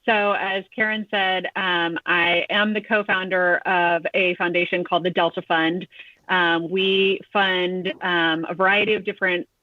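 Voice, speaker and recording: Woman, lowish voice, measured and hesitant, dry close sound, muffled lo-fi. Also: level tone. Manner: measured, many "um" pauses. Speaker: foundation co-founder, board chair, panelist. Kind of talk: panel introduction.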